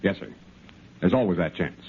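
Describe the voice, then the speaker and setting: A brisk intelligence officer. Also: male voice, low-pitched, lively intonation, slight background noise. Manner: crisp, explanatory, officer-like. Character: brisk army intelligence lieutenant. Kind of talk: 1950s radio drama acting. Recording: tinny 1950s radio broadcast.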